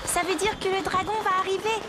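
A woman's voice: extremely high pitch, steady tone, fairly quick, heavy background noise. A woman playing a friendly, helpful young girl in a children's cartoon, with a childlike way of talking. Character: friendly, knowledgeable young girl, an older playmate. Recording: music behind the voice.

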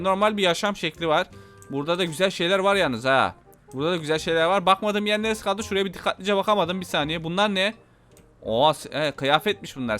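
A man talks through his gameplay in a high, bright voice, jumping to quick exclamations as things happen on screen. Game music plays faintly behind him. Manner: excitable, exclaiming. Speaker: gaming YouTuber. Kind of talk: casual gameplay commentary.

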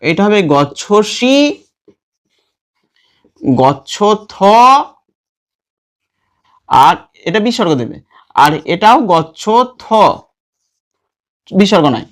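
A man teaching a lesson. He patiently recites verb forms over and over in a slow chant and keeps checking that students follow. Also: high-pitched, very animated. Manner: checks in with listeners often. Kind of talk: classroom lesson with recitation drills.

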